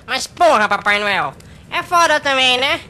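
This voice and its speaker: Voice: high voice, expressive, measured pace, sharp tone, a little hiss or hum, heavily acted. A woman voicing a grumpy, overworked Brazilian Christmas elf who complains in sarcastic slang in a comedic amateur radio play. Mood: fed up.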